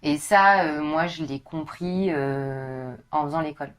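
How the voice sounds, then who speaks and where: A young woman with a deep, husky speaking voice talks loosely and informally as a podcast guest. She strings long stories together with lots of casual fillers. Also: measured pace. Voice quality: low husky voice. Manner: chatty, informal, many fillers.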